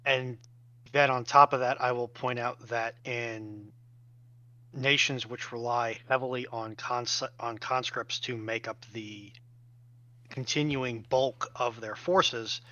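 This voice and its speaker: A man speaking as a panelist in an informal expert discussion, explaining his points deliberately and emphatically. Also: medium pitch, fairly even intonation, sharp tone, dry recording. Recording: dull, band-limited audio.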